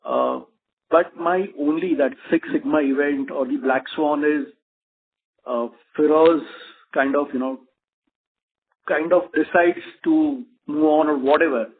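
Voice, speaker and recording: A man's voice: a little high, big pitch swings, a little slow. A man asking a question as an investor, hesitant and polite, circling around his point. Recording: noisy tinny phone line with clicks.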